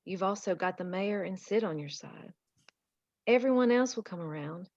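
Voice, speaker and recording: A woman's voice: mid-range voice, expressive, moderate pace, darkish tone, no room sound. A woman playing a devoted, encouraging wife in a script table read. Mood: tender, encouraging. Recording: dull, muffled lo-fi mic.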